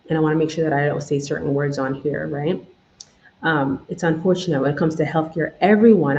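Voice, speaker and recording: Her low, slightly mellow voice carries a Jamaican accent as she runs a live Q&A for her viewers. She addresses them directly, rambling and self-correcting, in a casual chat recorded in an echoey room with a slightly dull sound.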